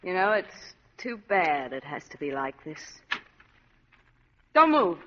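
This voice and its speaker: An actress playing a cold, scheming femme fatale in an old-time radio drama, cool and mocking. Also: female voice, fairly low pitch, sing-song, slow pace, long reverb tail, a little hiss or hum. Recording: dull old radio broadcast.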